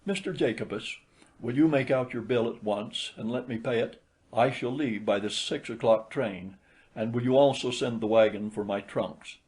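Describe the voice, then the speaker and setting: A man voicing a proud young gentleman who speaks formally and with firm insistence. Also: medium pitch, normal speed, lightly acted. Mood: offended, curt.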